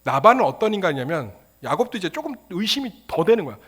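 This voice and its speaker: 남성 목사가 교회에서 목소리를 흉내 내 가며 유머러스한 이야기로 설교한다. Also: male voice, high-pitched, very animated, fast talker, fairly bright tone, husky. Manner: humorous storytelling, acting out voices. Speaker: pastor. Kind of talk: sermon. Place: church.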